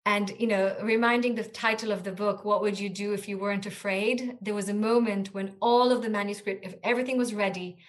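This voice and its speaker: A woman's voice: mid-range voice, steady tone, brisk, few pauses. A woman whose first language is Hebrew, a guest author speaking earnestly and reflectively in a podcast interview, with frequent restarts.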